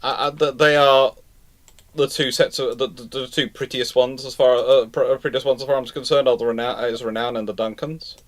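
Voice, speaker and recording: A man's voice: mid-range voice, fairly even intonation, fairly quick. A man hosting a casual live panel chat, talking as a rambling enthusiast who stumbles and restarts mid-sentence. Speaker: host of a live naval history question-and-answer stream.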